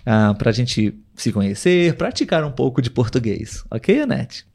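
A man hosting a live podcast, talking patiently and clearly with listeners over a video call. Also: mid-range voice, big pitch swings, a little mellow. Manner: patient, clear, slowed for learners. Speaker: podcast host.

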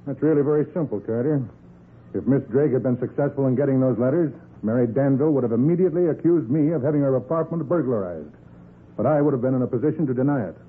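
Actor as an imperious, quick-talking radio boss. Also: male voice, medium pitch, husky, lightly acted. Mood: smug, unapologetic. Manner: pompous, clipped, domineering. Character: imperious, threatening male department store boss. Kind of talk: 1940s radio crime drama acting. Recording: muffled, scratchy 1940s radio recording.

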